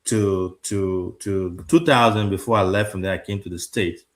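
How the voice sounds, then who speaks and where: In a casual talk show discussion, a Liberian man in his thirties hosts with an earnest, conversational manner, often repeating words as he restarts. His voice is deep and steady with a Liberian accent, and he speaks at a moderate pace.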